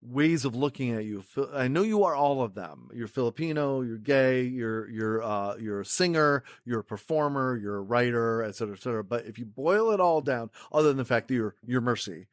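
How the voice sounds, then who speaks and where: A man's voice: mid-range voice, expressive, fairly quick, few pauses, no echo, studio quality. A man hosting a casual interview, asking long rambling questions full of restarts. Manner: rambling, hesitant with many restarts. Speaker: podcast host.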